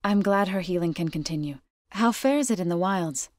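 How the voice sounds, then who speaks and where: A woman's voice: lowish voice, darkish tone, no echo, natural voice. Actress as game heroine: tribal woman warrior-healer, earnest, resolute, formally spoken, dry studio-clean sound. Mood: calm, friendly. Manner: measured, formal, earnest phrasing. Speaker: video game voice actor. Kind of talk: game character voice lines.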